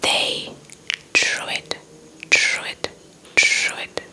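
Whispering South African woman telling a folktale. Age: young adult. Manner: slow, breathy whisper with soft repeated words. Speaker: ASMR storyteller. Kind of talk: whispered ASMR folktale narration. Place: indoors, in front of a dark cloth backdrop. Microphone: small handheld lavalier mic with windscreen, held close.

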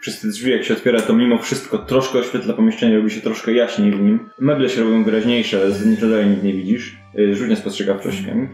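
Fairly low and steady, a man's voice moves quickly with hardly any pauses and a slightly mellow quality. He's the game master of a fantasy detective tabletop game, improvising descriptive narration full of hedges. The room echoes, and faint music plays in the background.

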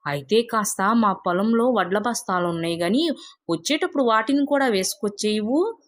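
A woman's voice: mid-range voice, animated, normal speed, natural voice. A woman voicing a crafty male villager in a storybook tale, breezy and scheming. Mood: casually demanding.

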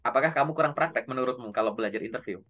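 A man coaching a learner on job interviews in a relaxed, conversational way, speaking straight to them. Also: mid-range voice, racing, lo-fi sound, faint music behind. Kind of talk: casual online coaching session.

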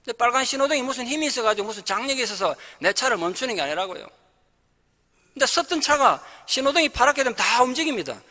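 A middle-aged male pastor delivers a sermon in a very high, bright, ringing voice. He tells a story vividly, switching into the voices of its characters and rising to firm exhortation. His voice carries a long church reverb. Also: sing-song, fast. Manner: storytelling, acting out dialogue of characters. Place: church sanctuary.

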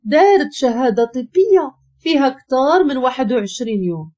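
Brief: harsh, quick-tempered husband, played by a woman storyteller, Moroccan accent, lively rising pitch. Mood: scornful. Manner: curt, shouting commands. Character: harsh angry young husband. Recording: dull lo-fi recording.

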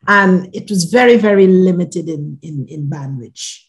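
An older woman, born and raised in Guyana, recounts her own experience for a podcast. She speaks from her living room over a video call in a lowish voice, pressing hard on key words and letting her phrases drift softly away. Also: measured pace. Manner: earnest, emphatic, often trailing off softly. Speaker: podcast guest. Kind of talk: personal storytelling.

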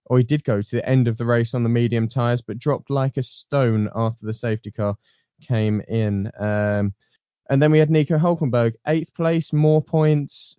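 A man's voice: mid-range voice, fairly even intonation, moderate pace, mellow, smooth, dry recording, dull audio. A man hosting a casual motorsport panel chat, rambling with frequent ums and restarts. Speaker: podcast host.

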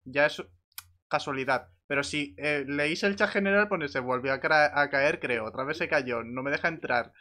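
A man's voice: on the high side, moderate pace, bright, forceful tone. A man with an accent from Spain, chatting casually as a livestreamer while gaming. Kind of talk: casual gaming stream chat.

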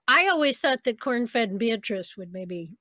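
A voice actress from Saint Louis, USA, answers interview questions in a reflective, easygoing way, laughing now and then. Her voice is a little high, animated, pushed and bright, and she speaks slowly. There's no echo.

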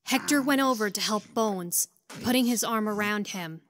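A woman's voice: mid-range voice, normal speed, fairly bright tone, no room sound. A woman reading scripted story narration as the narrator of an audio drama.

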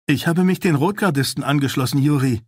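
A man's voice: a little high, normal speed, dry recording, clean studio sound, voice pushed up, lightly acted. Proud teenage boy soldier, as a man puts him on. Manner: proud, earnest. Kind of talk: audiobook character voice.

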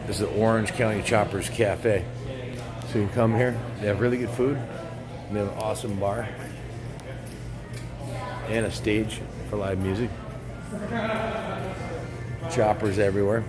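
A man's voice: fairly low pitch, steady tone, measured pace, long pauses, over music. An older man casually narrating a walking tour of a restaurant, chatting as he points things out, filmed on a handheld phone. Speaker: vlogger touring a venue. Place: restaurant and bar, indoors.

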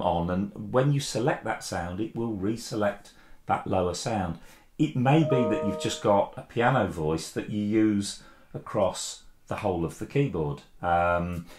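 A man in his fifties talks through a keyboard tutorial in an easygoing, unhurried way, dotted with ums and uhs. His voice sits on the low side. The sound carries a noticeable room echo from a home office recorded at table distance. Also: darkish tone. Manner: easygoing, plain-spoken, frequent "um" and "uh". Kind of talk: relaxed step-by-step tutorial. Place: home studio office with desk and plants, indoors. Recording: echoey room.

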